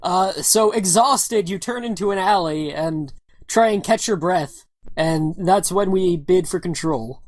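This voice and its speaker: A woman's voice: lowish voice, a little slow, a little mellow, no echo. A woman narrating as game master of a tabletop game, casual and often laughing, with many "all right"s and "uh"s.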